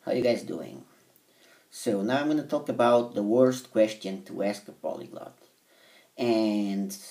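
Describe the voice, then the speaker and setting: A man speaks in a lowish, warm tone, pausing often as he works out what to say. His voice sits a little back from the mic, with some room around it. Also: far from the mic. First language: Portuguese. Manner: halting, thinks aloud with frequent pauses. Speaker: language-learning vlogger. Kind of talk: casual monologue to camera.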